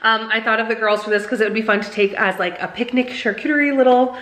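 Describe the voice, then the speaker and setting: A woman's voice: fairly high pitch, fairly even intonation, fast, fairly bright tone. A woman in her thirties narrating a casual home cooking vlog as she explains her meal prep. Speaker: lifestyle vlogger and home cook. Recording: music behind the voice. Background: background music.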